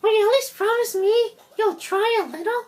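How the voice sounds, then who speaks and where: A woman voicing a cheerful, clingy high school girl as a plush toy character, pleading and excitable, for a video game dub. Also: moderate pace, faint music behind. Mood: cheerful, eager.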